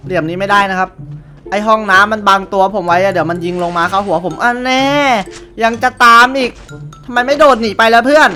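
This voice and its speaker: A young man giving excited gameplay commentary, taunting opponents and repeating short calls over and over. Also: high-pitched, fast talker, soft background music. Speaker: gamer streamer.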